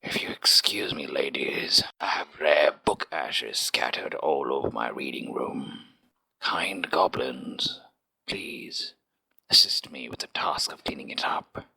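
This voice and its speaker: Ancient, very deep whispering scholar. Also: creaky, bright, forceful tone, slightly rough, no room sound, exaggerated voice, rough recording. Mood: weary, polite. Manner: formal and slow. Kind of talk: fantasy audio drama acting.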